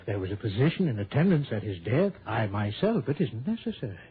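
A man's voice: on the low side, big pitch swings, fairly quick, slightly rough, heavily acted. An actor playing an elderly male country doctor who hesitates and stammers, in a 1960s radio drama. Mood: defensive. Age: older. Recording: tinny old radio broadcast.

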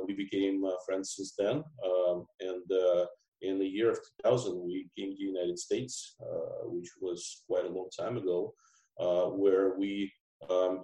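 A man's voice: low-pitched, a little mellow, echoey room, rough recording. A man in his forties from Uzbekistan with a Russian accent, a podcast guest who talks hesitantly with frequent fillers and repeats. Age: 40s. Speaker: podcast guest, business owner. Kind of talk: casual interview chat.

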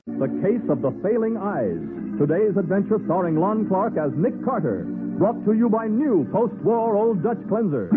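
A man announcing and narrating a scripted 1940s radio show. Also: a little high. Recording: narrow-band old radio recording. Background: music.

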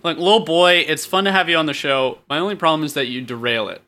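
Male co-host, wry and deadpan, slightly high, bright and tense tone. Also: fast. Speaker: podcast co-host. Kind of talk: comedic banter.

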